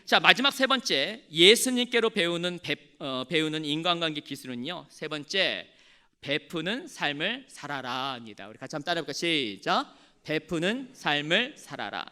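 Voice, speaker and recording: Male pastor, high and lively voice, animated sermon storyteller. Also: normal speed, smooth. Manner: animated storytelling, calls on the congregation to respond.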